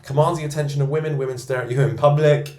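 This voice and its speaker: Speaking fast in a slightly high voice with fairly even intonation, a man who coaches other men on self-improvement boasts as he rates himself aloud. His self-assured monologue comes from a co-working space, and the recording carries a roomy echo.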